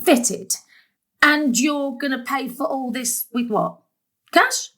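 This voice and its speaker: A woman's voice: high-pitched, lively intonation, slow, fairly bright tone, exaggerated voice. An actress playing a long-suffering middle-aged daughter and mother in an audio drama, emphatic and sarcastic. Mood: exasperated. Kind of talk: stage-style audio drama acting.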